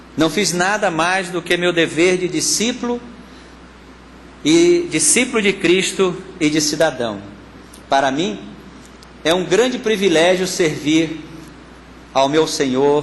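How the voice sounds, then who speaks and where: Amid noticeable background noise and audible room echo, a high-pitched man speaks at a fairly slow pace with lively intonation and long, frequent pauses. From Rio de Janeiro, Brazil. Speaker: pastor. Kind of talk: acceptance speech. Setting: city council ceremony. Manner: formal.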